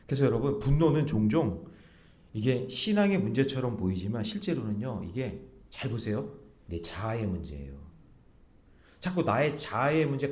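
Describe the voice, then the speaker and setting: A middle-aged male pastor giving an early-morning sermon in a lively, conversational way, acting out bits of dialogue as he preaches in a church. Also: medium pitch. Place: church sanctuary.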